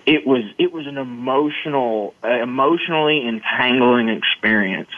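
A man with a Southern US accent tells his own story over a thin, phone-like connection. His pitch sits in the ordinary male range and the sound is dry. He comes across as folksy and earnest, speaking as a guest in an interview. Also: moderate pace, no room sound. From Arkansas, United States. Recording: muffled phone-like line, dry.

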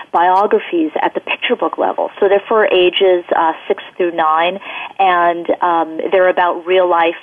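Woman author rambling over a tinny phone line. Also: lowish voice. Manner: rambling, many fillers and restarts. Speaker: children's book author, guest. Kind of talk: casual interview over the phone. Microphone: telephone.

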